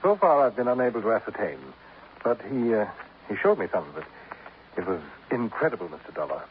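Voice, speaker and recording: A man's voice: fairly low pitch, sing-song, brisk. An actor playing a pompous, grandiloquent male poet in a 1950s radio drama, speaking in a formal, self-admiring way. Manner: grandiloquent, formal, addresses others as sir. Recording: tinny, hissy old radio broadcast.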